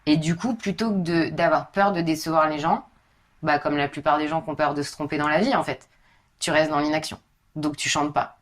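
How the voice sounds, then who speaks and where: Low-voiced young woman, husky and chatty. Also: fairly even intonation, brisk. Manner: chatty, informal, many fillers. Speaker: podcast guest, musician. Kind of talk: casual podcast conversation.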